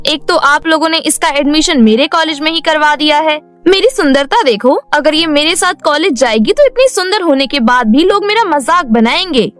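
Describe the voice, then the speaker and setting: A spoiled college-age daughter, played by a woman, vain and full of spite. Her voice is very high, in cartoon storybook style. Music runs underneath. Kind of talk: animated Hindi moral story voice acting. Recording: music bed behind the voice.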